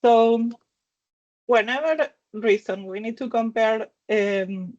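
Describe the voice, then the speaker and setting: Slow-talking Argentine woman presenter. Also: fairly high pitch, darkish tone, muffled recording. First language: Spanish. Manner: laughs between points, careful non-native phrasing. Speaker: finance consultant presenter. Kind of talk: webinar presentation. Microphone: video call.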